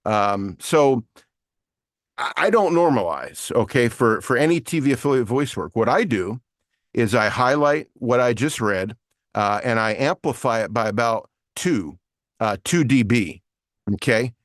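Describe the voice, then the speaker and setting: A man's voice: medium pitch, expressive, measured pace, dry recording, clean studio sound. Casual male voiceover coach explaining. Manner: casual, explanatory, many fillers and restarts. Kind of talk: online lesson with screen share.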